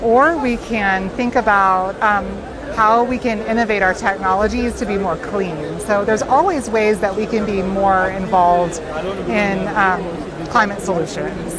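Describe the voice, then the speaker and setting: A woman from Missouri in the private sector, speaking in a friendly street interview with many hesitant pauses. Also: mid-range voice, low-quality recording. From Missouri, United States. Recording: crowd chatter.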